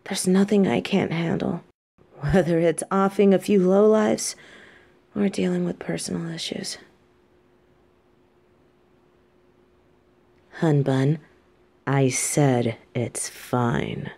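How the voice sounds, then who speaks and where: A woman's voice: on the low side, slow pace, creaky, dark tone, breathy edge, exaggerated voice. A woman playing a possessive female mafia boss and doting girlfriend in a scripted, intimate audio roleplay. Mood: cold, menacing. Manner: swings between cold threats and tender pleading. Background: background music.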